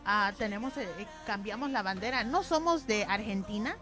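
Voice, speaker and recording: A woman's voice: mid-range voice, normal speed. A woman co-hosting a Christian radio program alongside her husband, enthusiastic with hesitant restarts. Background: music.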